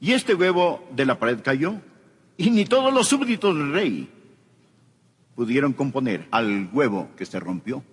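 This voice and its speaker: A man delivering a sermon, preaching emphatically and swinging between raised and hushed delivery. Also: medium pitch, very animated, measured pace, slightly rough, in a large hall.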